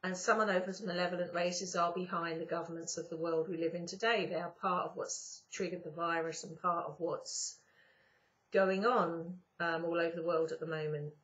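Speaking from her sofa at home, a middle-aged woman who channels spirits and runs a YouTube channel delivers a slow, casual spiritual talk to her webcam, pausing at length. Her croaky morning voice is lowish and fairly bright, with fairly even intonation, and the close webcam gives slightly dull audio.

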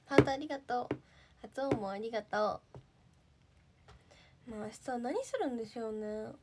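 A woman's voice: on the high side, moderate pace, noisy background. A young woman from Japan, a livestreaming idol, chatting casually and thanking viewers as she reads their comments.

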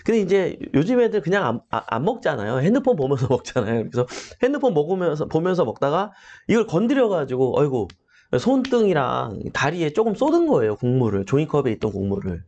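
A man's voice: on the high side, big pitch swings, fast, a little mellow, muffled recording. A middle-aged man hosting a live morning talk on property auctions, telling a personal story and turning to address his listeners directly. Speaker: real estate auction educator hosting a live morning show. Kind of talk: motivational talk with a personal anecdote.

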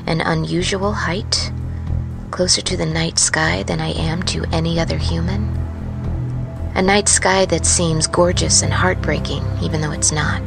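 An actress playing a lonely, haunted woman truck driver in an intimate, breathy audio drama monologue. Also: lowish voice. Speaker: lead narrator of a serial fiction podcast. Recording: voice over loud music.

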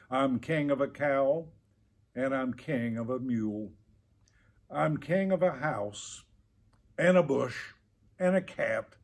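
A man's voice: mid-range voice, a little mellow. A man voicing a pompous, tyrannical turtle king from a children's storybook, bellowing grandly. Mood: imperious, loud.

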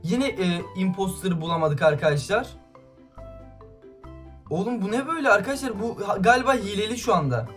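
Speaking directly to his audience, a gaming YouTuber rants in irritation over his gameplay and throws insults at another player. He has a high-pitched voice with lively intonation, talking fairly quickly but leaving long pauses, over faint background music.

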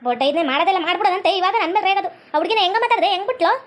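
A woman playing a fussing rural old mother, wailing and scolding. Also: very high-pitched. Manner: wailing and scolding, quick sing-song lament. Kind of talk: village comedy skit acting.

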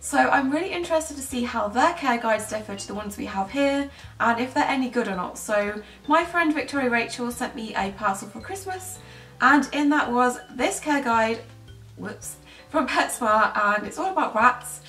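A British woman in her twenties talks casually to the camera in a bedroom. Her voice sits fairly high, and the sound is roomy, picked up a little way from the microphone. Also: expressive, moderate pace, fairly bright tone. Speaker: pet-care vlogger. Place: small bedroom indoors. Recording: roomy echo, distant microphone, faint music.

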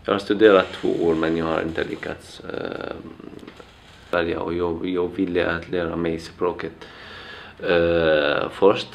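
A man in his twenties from Syria with an Arabic accent, answering haltingly as he searches for words. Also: sits low, little pitch movement, vocal fry, a little hiss or hum. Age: 20s. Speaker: interviewee, young migrant. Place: small plain room. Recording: dull, muffled camera sound.

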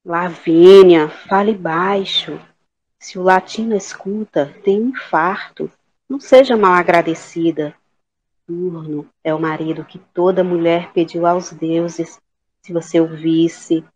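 A woman's voice: lowish voice, slow, darkish tone, low-quality recording. A Brazilian woman playing a practical, scolding queen mother in an audio drama, with a chiding manner.

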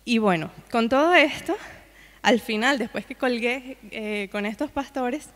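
A woman's voice: fairly high pitch, unhurried, a bit bright. Woman preaching a testimony in a reverberant hall. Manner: conversational, addresses congregation with frequent asides. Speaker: guest preacher. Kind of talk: personal testimony in a sermon. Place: church hall.

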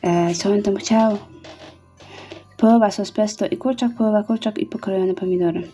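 A woman's voice: medium pitch, steady tone, normal speed, warm tone, faint music behind. A woman giving casual let's-play commentary, chatty, reading orders aloud and counting out her steps. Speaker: gaming YouTuber.

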